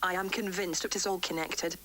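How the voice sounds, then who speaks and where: A woman playing a worried, defiant doctor dictating formal, measured research logs for an analog horror tape series, recorded on vintage cassette. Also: fairly low pitch, fairly even intonation, fairly bright tone. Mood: grave, concerned. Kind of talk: analog horror tape log, scripted report.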